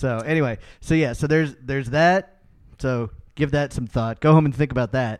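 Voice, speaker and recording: A man's fairly high voice with an American accent, an unremarkable speaking voice, moderate pace and ordinary pitch variation. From Georgia, US South. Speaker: music podcast host. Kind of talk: casual chat.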